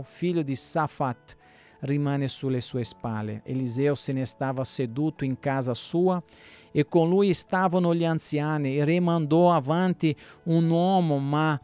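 A man, a pastor, reading the Bible aloud in a plain steady way, now and then stumbling and restarting a word. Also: fairly high pitch, smooth.

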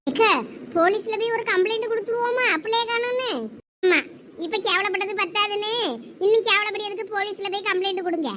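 A woman acting a frantic mother in a comedy skit, talking fast in rural dialect. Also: very high-pitched, fairly even intonation, background noise. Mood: worried. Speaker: skit actor playing several village characters.

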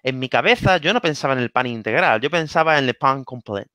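A man with a Spanish accent from Spain, giving language-learning tips in a casual online interview, lively and repeating himself for emphasis with frequent "¿vale?". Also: medium pitch, a little fast, clean tone, no room sound, clean studio sound.

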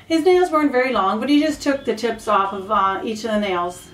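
High-voiced woman chatting. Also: fairly quick, echoey room, recorded from a distance, slight background noise, rough recording. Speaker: pet owner and vlogger. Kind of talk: casual explaining and chat.

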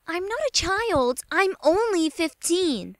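A woman's voice: very high-pitched, expressive, takes it slowly, no echo, clean studio sound, pitched above the performer's own voice, full character voice. A woman voicing a small, plucky, indignant fifteen-year-old girl in an anime-style audition.

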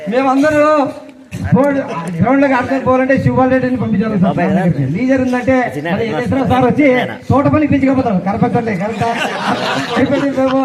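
A man's voice: very high voice, recorded from a distance, poor audio. A man, telling school stories to former teachers at a reunion. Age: 40s. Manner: chatty storytelling, addresses teachers as sir. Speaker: alumnus speaking at a school reunion. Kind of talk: reminiscing speech at a live event.

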